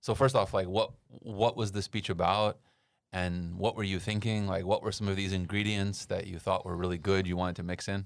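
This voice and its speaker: A man with an American accent speaks fairly quickly in an unremarkable speaking voice, his pitch fairly low. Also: fairly even intonation. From United States. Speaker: podcast host. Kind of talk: interview.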